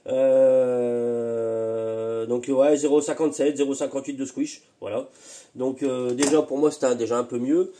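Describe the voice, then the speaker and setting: A man running a casual workshop vlog on moped engine tuning speaks with a slight cold that still has him a bit congested. His medium-pitched voice is dark and fairly even, at a moderate pace, and he rambles with hesitations and repeated words.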